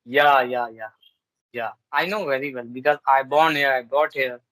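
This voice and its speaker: A man's voice: medium pitch, normal speed, fairly bright tone, dry recording, poor audio. Hesitant Indian man on a video call. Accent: Indian English. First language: Urdu. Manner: hesitant, many fillers and restarts. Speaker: English learner. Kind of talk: casual video call chat.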